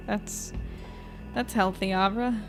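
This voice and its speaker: A woman's voice: mid-range voice, fairly even intonation, takes it slowly, over music. A woman playing an anxious, self-mocking young reporter in an audio drama, talking in a wry, rambling, hesitant way. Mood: worried, wry. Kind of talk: audio drama acting, intimate diary monologue.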